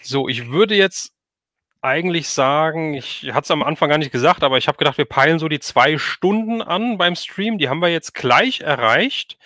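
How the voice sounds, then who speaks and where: Bright-voiced man hosting a casual stream. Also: on the high side, expressive, normal speed, dry recording, studio quality. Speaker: livestream host, interviewer. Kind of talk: casual livestream interview chat.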